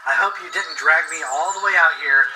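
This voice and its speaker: Brash, demanding young girlfriend , played by a male reader, slightly raised pitch, horror audio story, noisy backdrop. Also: fairly quick, close to an everyday voice. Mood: impatient, scornful. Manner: brash, sharp complaining. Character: impatient, foul-mouthed, demanding young woman cave explorer.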